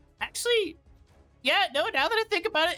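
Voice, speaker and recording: A put-on character voice at an extremely high pitch and a fairly quick pace, with faint music in the background. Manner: horrified, realizing something.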